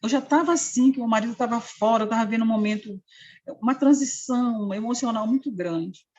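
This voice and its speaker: A woman's voice: fairly high pitch, a little fast, a little mellow. A middle-aged woman from Amapá, Brazil, with a local Brazilian Portuguese accent, telling her own story earnestly and acting out the dialogue she quotes. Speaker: interviewee. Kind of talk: personal testimony.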